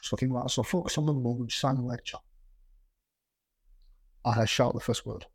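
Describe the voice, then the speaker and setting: A man's voice: mid-range voice, normal speed, creaky, slightly rough, dry recording, clean studio sound. A middle-aged man with a stammer that makes him repeat sounds and words, speaking in a plain-spoken, conversational interview style as a business executive. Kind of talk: reflective conversational interview with anecdotes.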